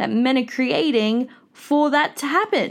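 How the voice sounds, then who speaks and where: A woman speaks with an Australian accent. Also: very clean recording, silent background. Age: 20s. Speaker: podcast host. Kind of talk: solo casual monologue.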